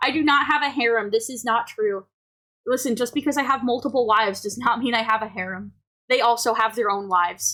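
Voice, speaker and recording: A woman talks at a fairly quick pace with a fairly high pitch and ordinary pitch variation. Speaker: VTuber streamer. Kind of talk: casual livestream chat. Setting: livestream on laptop.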